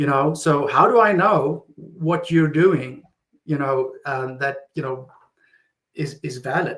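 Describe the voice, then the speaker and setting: Speaking at a very slow pace, a man uses a fairly high pitch with ordinary variation, and audible room echo surrounds his voice. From South Africa. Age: 50s. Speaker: software company executive. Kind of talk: conference interview. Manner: halting, with many repetitions.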